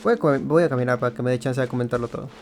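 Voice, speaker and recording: A male gaming host commenting casually as he plays. He has a medium-pitched voice and a halting, thinking-aloud delivery, with faint music in the background. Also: darkish tone. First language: Spanish. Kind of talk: casual let's-play commentary.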